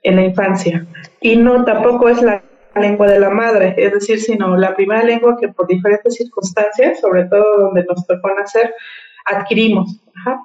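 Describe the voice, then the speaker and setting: A woman, a linguist from Mexico, explaining things in a measured way as a radio guest on the phone. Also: medium pitch, dark tone. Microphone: phone line. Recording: distant, roomy, muffled phone line.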